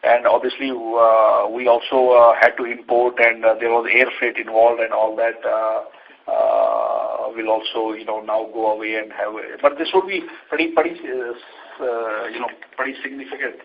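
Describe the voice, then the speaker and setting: A man with an Indian accent, an executive giving unscripted answers on an earnings call in a halting way, often repeating phrases. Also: medium pitch, vocal fry, breathy edge. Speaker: company executive answering investor questions. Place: conference call line. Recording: dull lo-fi conference call audio.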